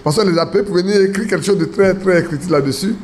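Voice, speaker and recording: A man's voice: high-pitched, fast talker, a little mellow, slight background noise. A man preaching an informal sermon to his church, talking casually and asking the congregation questions. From Ivory Coast. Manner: conversational, asks the congregation questions. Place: church assembly.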